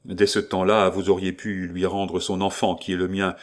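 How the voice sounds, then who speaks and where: A man's voice: sits low, little pitch movement, normal speed, lightly acted. A man voicing a cold, commanding grey-bearded nobleman in black, speaking in a cutting, imperious way in an audiobook. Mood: accusing. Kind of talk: audiobook character voice.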